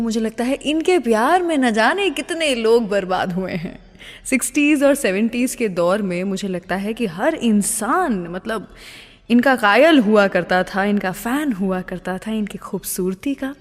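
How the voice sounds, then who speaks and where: A woman with an Indian accent presenting a radio show in a dramatic storytelling manner, mixing in some English phrases. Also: medium pitch. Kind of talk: radio presenting, opens with poetry. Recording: long reverb on the voice.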